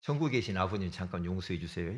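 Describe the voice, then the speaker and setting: A man's voice: deep voice, lively intonation, fast. A man preaching a sermon as pastor, emphatic, often throwing rhetorical questions at the congregation.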